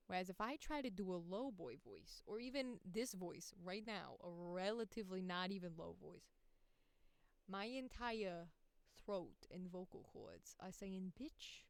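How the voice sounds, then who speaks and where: A woman's voice: medium pitch, smooth, no room sound. A woman voice actor hosting a casual livestream, sweary and self-deprecating, with a slightly tired voice.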